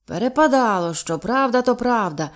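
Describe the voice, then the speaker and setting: A woman voicing a middle-aged male businessman who talks in lively, warm-hearted exclamations. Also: fairly high pitch, normal speed, voice pushed up, lightly acted. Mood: nostalgic.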